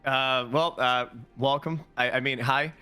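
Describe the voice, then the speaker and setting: A man from Cuba co-hosting a podcast, telling stories in an animated, casual way. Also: mid-range voice, measured pace, smooth, soft background music. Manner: animated, informal storytelling. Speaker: podcast co-host.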